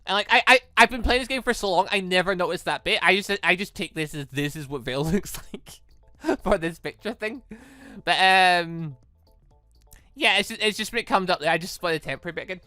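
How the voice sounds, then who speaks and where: Gaming commentator, casual, rambling, bright forceful tone, exclamatory, faint music behind. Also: medium pitch, brisk, no echo. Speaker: gaming YouTuber. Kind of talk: casual game commentary with read-aloud dialogue.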